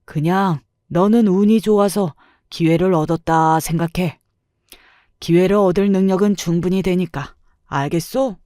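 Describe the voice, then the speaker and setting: A woman voicing a gruff elderly man who speaks bluntly and gives short commands, in a story narration. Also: on the low side, moderate pace, warm tone, no echo, studio quality, natural voice. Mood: stern. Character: gruff elderly male neighbor, blunt and protective.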